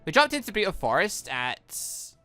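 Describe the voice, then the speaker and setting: A man's voice: high voice, very animated, normal speed, bright, forceful tone, dry recording, soft background music, full character voice. A man voicing a guarded, dutiful young male student team leader in a visual novel, speaking plainly and carefully. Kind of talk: visual novel character reading.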